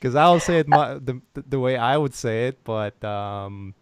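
A man's voice: medium pitch, unhurried, clean tone, no room sound. A man hosting a casual interview over a call, talking with many restarts and fillers and laughing easily. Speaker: podcast host.

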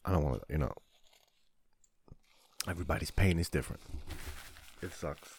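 A man hosting a podcast, crying as he opens up in a halting monologue, swearing often and restarting his sentences. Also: extremely low pitch, slight background noise. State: crying, sniffling. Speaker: podcast host. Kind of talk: emotional confessional monologue.

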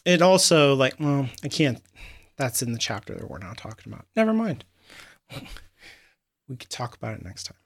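Medium-pitched man in casual, inquisitive chat. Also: sing-song, moderate pace, long pauses. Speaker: podcast co-host.

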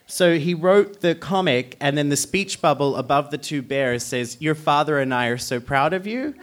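A man, co-hosting a comedy podcast on stage, animated and laughing often. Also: moderate pace. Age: 30s. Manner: animated, laughs often, bursts of higher pitch. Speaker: podcast co-host. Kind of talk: casual comedic chat. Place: live stage with audience. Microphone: stage microphone.

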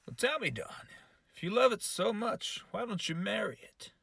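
A male podcast host with a gravelly, raspy edge and a bright, forceful tone. His pitch swings in a lively way as he teases his guest with sarcastic jabs. The sound is dry and close. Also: normal speed, no echo. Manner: sarcastic, mock-insulting teasing. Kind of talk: comedic host banter.

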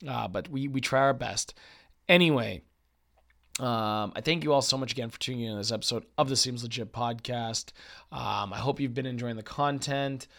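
A man hosting a casual solo podcast, with a dry, husky voice weakened by a cold, talking emphatically and informally. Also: mid-range voice, normal speed, a bit bright. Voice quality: husky, gravelly. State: weak, dry voice after a cold. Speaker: podcast host and poker player.

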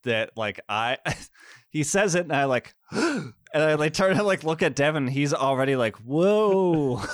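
A man's voice: on the high side, expressive, unhurried, no echo, studio quality. A young man co-hosting a casual film review podcast, rambling with fillers and laughter. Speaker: podcast co-host.

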